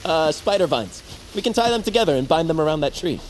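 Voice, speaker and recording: A man's voice: on the high side, lively intonation, fast talker, a little hiss or hum, lightly acted, poor audio. A man acting a devoted, earnest young tribal hero in an audio drama, speaking expressively. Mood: focused. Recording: music behind the voice.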